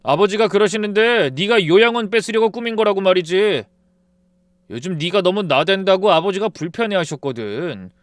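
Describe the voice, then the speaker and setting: A curt, annoyed husband , as a male narrator does him, brushing off his wife in a storybook drama. He talks louder and somewhat higher than the narrator's usual voice. The tone is smooth and clear, recorded dry. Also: animated, normal speed, no room sound. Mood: irritated. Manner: curt, loud. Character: dismissive, irritable husband siding with his father.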